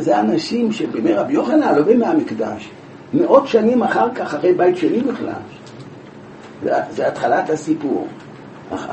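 A man teaching a Talmud class, telling the story with lively rhetorical questions. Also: on the high side. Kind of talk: Talmud class, explaining a passage. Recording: echoey room from far off, with background noise.

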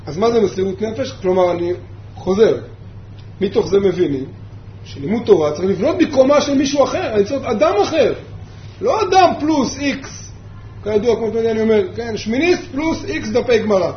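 High-voiced rabbi in an echoey room. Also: male voice, expressive. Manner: asks the class rhetorical questions, repeats key points. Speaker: rabbi teaching a yeshiva class. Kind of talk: Torah lesson. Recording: echoey room, dull sound, faint background hum.

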